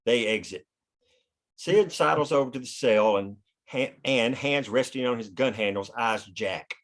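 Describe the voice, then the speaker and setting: Male narrator, mid-range pitch, reads scene headings and stage directions for a screenplay read. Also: a little slow. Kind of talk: scripted narration of screenplay action.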